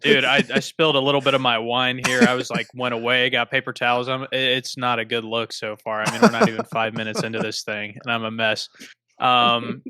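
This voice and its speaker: A young man talks on a podcast in a bright, forceful voice with a crisp, smooth tone. He is self-deprecating and often restarts mid-sentence. The sound is dry and close on a remote call mic. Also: medium pitch, level tone, a little fast, no echo. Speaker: podcast co-host. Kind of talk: casual chat.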